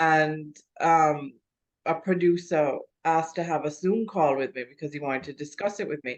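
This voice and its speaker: A Jamaican accent at a moderate pace against a quiet background. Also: woman, very deep, low pitch for a woman, ordinary pitch variation. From Jamaica, Mandeville (rural). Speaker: author. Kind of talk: interview.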